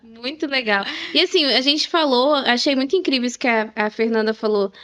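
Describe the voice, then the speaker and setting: Casting note: a woman podcast interviewer, very high voice, playful and jokey. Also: fairly quick, bright, forceful tone. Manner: playful, laughs easily. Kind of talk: casual podcast chat.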